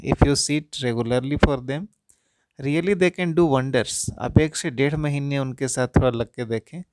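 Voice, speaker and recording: A man teaching parents how to help children read, speaking deliberately, sounding out words syllable by syllable and repeatedly addressing them as dear parents. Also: medium pitch, darkish tone, no echo. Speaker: English reading tutor for parents. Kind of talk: instructional talk to parents.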